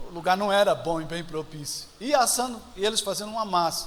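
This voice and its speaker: A man talks fairly quickly, with ordinary pitch variation, in a room with audible echo and noticeable background noise. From Mozambique. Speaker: missionary pastor. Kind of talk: sermon.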